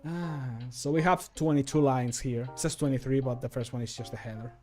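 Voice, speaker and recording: A man in his thirties streams from a small home room with a medium-pitched voice. He chats casually and jokes as he goes, commenting on his own work with the odd swear word. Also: fairly even intonation, a little fast, mellow, faint music behind. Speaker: streamer recording mod voice lines. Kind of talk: casual livestream chat.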